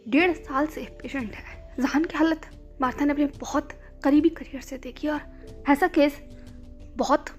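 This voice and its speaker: A woman narrating a story in a hushed, dramatic manner. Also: sits high.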